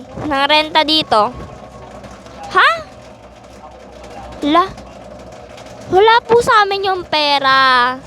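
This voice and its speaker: Bright high voiced woman playing every family member in a game, slow and playful. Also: slight background noise. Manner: playful, switching between characters. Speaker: game role-player. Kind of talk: role-play voicing a whole family.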